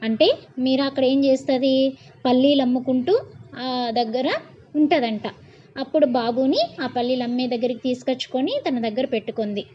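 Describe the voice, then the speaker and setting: A woman tells a bedtime story in a homely, colloquial way. She often stops to restate lines in simpler words. Her voice sits a little high, and the dull lo-fi recording has a faint hiss. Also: fairly even intonation, normal speed. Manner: reads, then retells and explains in casual asides.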